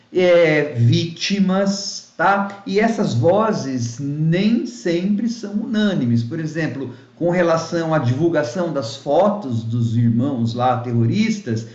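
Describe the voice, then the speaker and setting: A man's voice: a little high, a little mellow. A man giving a casual spoken documentary review, rambling with many fillers and restarts. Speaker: YouTube film reviewer. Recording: echoey room, dull lo-fi sound.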